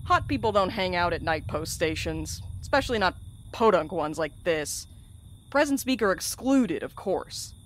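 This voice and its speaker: Woman playing a sardonic courier, slightly low voice, dry wisecracks, slangy, blunt, natural audio drama banter. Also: lively intonation, moderate pace, a little hiss or hum, close to an everyday voice. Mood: wry. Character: sardonic, blunt, irreverent courier and loyal friend. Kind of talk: fiction podcast acting, naturalistic banter.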